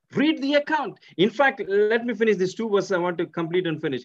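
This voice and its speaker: A high-pitched male voice with very wide pitch swings. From India. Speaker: church elder, preacher; preacher. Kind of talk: sermon. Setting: video call. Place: home room. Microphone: video call.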